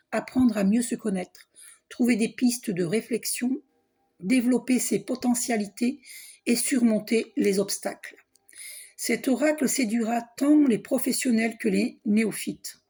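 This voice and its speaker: In a casual spiritual vlog, a middle-aged woman with a hoarse, husky, slightly high voice reads a card box aloud. She keeps clearing her throat and coughing, hesitates, restarts, trails off, and drops soft asides.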